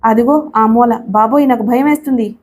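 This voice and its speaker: A scheming young husband in a storybook, dismissive one moment and putting on fear the next, as a woman narrator plays him. The voice stays fairly high, her own. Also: normal speed, darkish tone, slight background noise, lightly acted. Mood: mock fright. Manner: mock-frightened.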